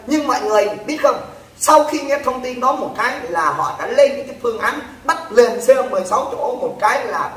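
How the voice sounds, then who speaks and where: Man, animated gossip commentary, distant from mic, faint hiss. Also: high voice. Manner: animated, mocking, addresses viewers. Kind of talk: casual storytelling commentary. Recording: roomy echo, off-mic, faint noise.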